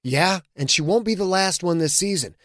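A man voicing a calm, blunt young quarterback in an audiobook, speaking quietly and firmly. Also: high-pitched, normal speed, no room sound, clean studio sound, pitched above the performer's own voice. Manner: quiet, steady, firm.

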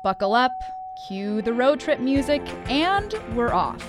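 A woman hosting a radio show, narrating a scripted feature in an upbeat, lively storytelling manner. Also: a little high, a little slow, over music. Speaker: radio host.

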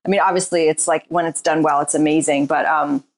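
Candid, reflective woman with a lowish voice. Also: fairly even intonation, a little fast. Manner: candid and reflective, frequent "like" and "you know" fillers; describes herself as shy and introverted. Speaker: interview guest, writer and performer. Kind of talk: casual interview talk.

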